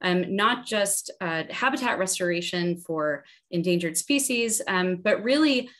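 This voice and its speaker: Lower-voiced American woman explaining. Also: expressive, a little slow, fairly bright tone. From New Jersey, US. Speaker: panelist, environmental scientist. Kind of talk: explanatory panel answer. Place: bedroom at home, indoors. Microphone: laptop video call.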